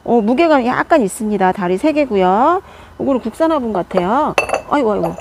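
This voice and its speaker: A woman with a slightly high voice walks through a row of plant pots in a chatty, friendly sales patter. She talks easily and warmly to her viewers. Faint traffic noise sits behind her. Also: expressive, a little fast. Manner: chatty, friendly sales talk, often laughing softly. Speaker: online seller showing succulent pots. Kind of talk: live product demonstration.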